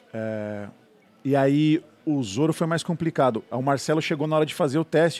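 A man with an unremarkable speaking voice, a fairly quick pace and ordinary pitch variation. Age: 30s. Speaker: voice actor. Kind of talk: casual chat. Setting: live stream recorded in a shop.

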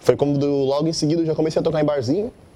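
A man with a fairly high-pitched voice speaks amid noticeable background noise. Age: 20s. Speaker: reggae singer. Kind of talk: talk show interview. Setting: TV studio.

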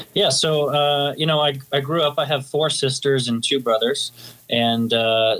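A man's bright, sharp voice with an American accent, fairly even intonation and a fairly slow pace. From Southern California. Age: 20s. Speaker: pilot and military veteran. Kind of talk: podcast interview.

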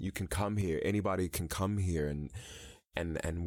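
A man with a New York accent talks at a moderate pace with fairly even intonation on a very clean recording with a silent background. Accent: New York American. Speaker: performing artist. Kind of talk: interview conversation.

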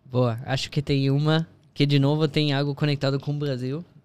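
Someone speaks at a moderate pace in a German accent. The recording is very clean, with a silent background. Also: man. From Austria. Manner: halting.

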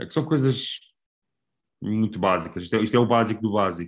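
A man of medium pitch speaks with a European Portuguese accent. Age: 40s. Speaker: father with parenting social media page. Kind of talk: casual chat. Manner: halting.

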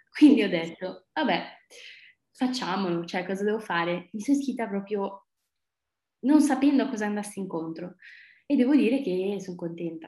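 A woman with medium pitch talks at a moderate pace, somewhat breathy and with lively intonation. She leaves long, frequent pauses. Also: quiet background. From northern Italy, Varese. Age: 20s. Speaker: university student. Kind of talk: casual interview.

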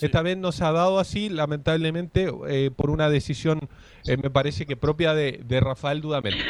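Here is a man in a normal speaking voice with a fairly high pitch. He keeps a moderate pace with ordinary pitch variation. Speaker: sports reporter. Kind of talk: sports radio report.

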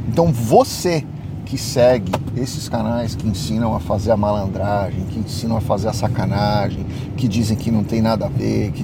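A man speaks at a moderate pace. The recording carries audible room echo and noticeable background noise. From Brazil. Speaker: immigration lawyer. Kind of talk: vlog monologue. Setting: just outside a car dealership. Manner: halting, repetitive.

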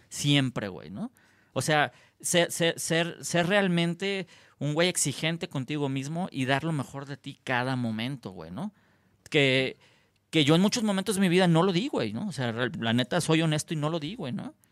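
Moderately paced with lively intonation, a man with fairly high pitch has an unremarkable speaking voice. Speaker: keyboardist and musician. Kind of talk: casual chat.

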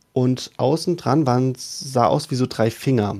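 The man's voice has a dark, mellow tone, and its pitch varies in an ordinary way. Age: young. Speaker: podcast co-host, hobby 3D printing fan. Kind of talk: casual chat, trade fair report. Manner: hesitant, many fillers and repetitions.

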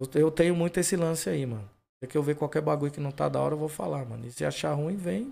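Recorded very cleanly against a silent background, a man talks at a very fast pace with a fairly high pitch. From São Paulo, Capão Redondo (south zone). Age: 40s. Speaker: rapper. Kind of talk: casual chat.

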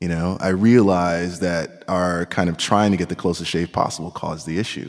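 A man's very deep, low pitch with fairly even intonation. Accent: American. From Queens, New York. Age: 30s. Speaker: entrepreneur. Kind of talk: interview.

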